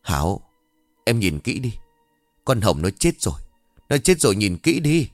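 A man voicing a tired, short-tempered middle-aged husband in a spoken ghost story, talking in a gruff, exasperated way. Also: fairly low pitch, very animated, measured pace, no echo, studio quality, soft background music. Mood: pleading, exasperated. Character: weary irritable middle-aged man, drinker.

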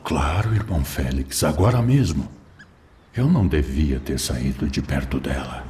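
A rough, repentant spirit in a radio drama. The voice is extremely deep and dark, earnest and emotional, with big swings in intonation. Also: male voice, lively intonation, a little slow, faint music behind. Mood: remorseful, eager. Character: rough male ex-tormentor spirit turned remorseful and tender.

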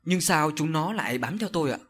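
A man's voice: fairly high pitch, lively intonation, fairly quick, a bit bright, husky. A man voicing a guilt-ridden, frightened man who pleads and panics in an audio story. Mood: fearful. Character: guilty, terrified middle-aged man.

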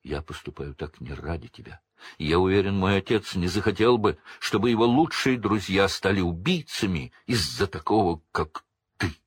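A man's voice: deep voice, lively intonation, normal speed, husky, dry recording, studio quality. A man voicing a determined teenage boy wizard who speaks firmly and breathlessly. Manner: firm, breathless.

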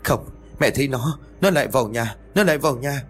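A man voicing a terrified old village woman who pleads and panics in a rushed, breathless way. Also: mid-range voice, lively intonation, a bit bright, a little hiss or hum, voice pushed up. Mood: panicked. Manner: frantic, pleading, breathless rush.

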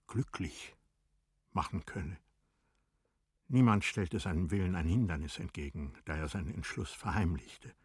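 Deep, husky male literary narrator. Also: no room sound, clean studio sound. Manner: measured, formal storytelling.

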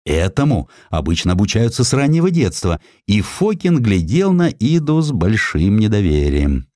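A man with a deep voice narrates a literary piece of history. His delivery swings widely in pitch and is theatrical, shaped by dramatic pauses. The sound is dry and close, as from a studio microphone. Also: big pitch swings, warm tone, dry recording. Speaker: audiobook narrator.

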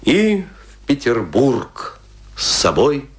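Boastful old-school stage tragedian for radio drama, scornful, pitch jumps all over, hammy pauses. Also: male voice, huge pitch swings, heavily acted. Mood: boastful relish. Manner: theatrical, emphatic, with pointed pauses. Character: boastful provincial tragic actor, theatrical, scornful storyteller. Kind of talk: dramatic radio play monologue.

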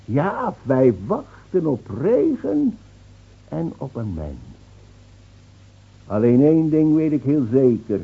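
A man's voice: on the high side, big pitch swings, slow, gravelly, pauses often, slightly rough, exaggerated voice. A man acting a bitter, mocking villager in a theatrical radio drama, sardonic and swelling with emphasis. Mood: bitter mockery. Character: bitter, mocking villager taunting others about hell and rain. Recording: muffled, noisy old radio play recording.

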